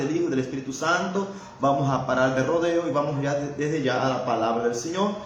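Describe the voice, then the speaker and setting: Man preaching in a very echoey room. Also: fairly high pitch. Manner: peppers speech with amén and invocations of Jesus; halting, repeats words while searching for them. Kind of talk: sermon. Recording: very echoey room with faint background noise.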